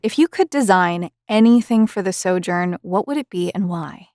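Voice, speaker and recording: A woman's voice: lowish voice, animated, moderate pace, darkish tone, no room sound. Woman interviewer with a close, dry sound. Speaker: interviewer, host. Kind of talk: conversational interview, reading out fan questions.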